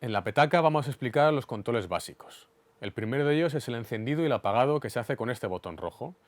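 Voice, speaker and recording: A man with a Spain Spanish accent giving an instructional equipment demonstration in a clear, methodical, didactic way. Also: medium pitch, lively intonation, fast talker, dry recording. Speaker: instructor explaining studio equipment.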